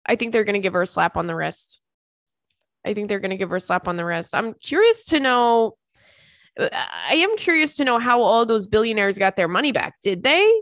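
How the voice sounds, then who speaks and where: A young woman comedian hosting her own podcast, talking to listeners in a loose, joking, self-mocking way. Her voice sounds stuffed up and congested, sitting at an ordinary middle pitch. The recording is dry and close, with no room sound around her. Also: fairly bright tone, no echo. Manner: chatty, joking, self-deprecating. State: congested from crying. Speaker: podcast host and stand-up comedian. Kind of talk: casual solo podcast chat.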